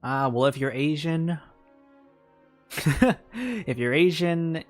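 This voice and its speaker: Low-voiced, animated woman streaming a game. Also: slow. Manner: sweary, exclaiming. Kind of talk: casual live gameplay commentary. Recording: faint game music behind.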